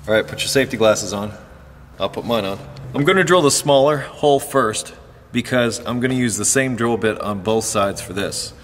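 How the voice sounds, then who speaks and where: Low-voiced man explaining car repair. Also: moderate pace. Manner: relaxed, talks while working with hands. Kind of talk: casual how-to demonstration. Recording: long reverb with faint background noise.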